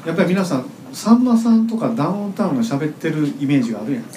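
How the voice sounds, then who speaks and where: A man's voice: fairly high pitch, sing-song, rapid-fire, warm tone, a little hiss or hum. A man with a Kansai accent, the agency boss, joking and teasing in casual banter on a live event stage. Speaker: agency boss and show regular. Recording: echoey live venue with audience.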